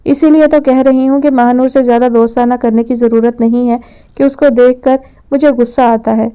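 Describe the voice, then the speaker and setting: A woman voicing a scornful middle-aged mother in an audio novel, sharp-tongued and scolding, with a smooth, mellow, fairly high voice. the reading stays close to the narrator's own tone. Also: fairly even intonation, natural voice.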